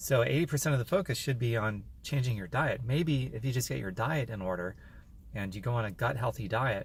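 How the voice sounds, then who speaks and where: A man talks at medium pitch with an American accent. Vocal fry runs through his voice. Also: ordinary pitch variation. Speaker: health and lifestyle vlogger. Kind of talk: casual talk to camera.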